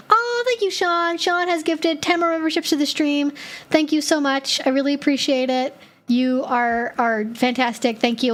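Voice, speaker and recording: Chatty high-voiced woman streamer. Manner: chatty, many filler words, thinks aloud. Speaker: streamer answering viewer questions. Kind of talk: casual live-stream Q&A.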